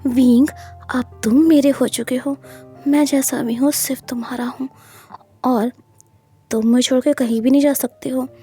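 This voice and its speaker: A woman voicing a scheming, possessive young husband who speaks firmly and calmly. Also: high-pitched, normal speed, pauses often, breathy edge, soft background music. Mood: soothing.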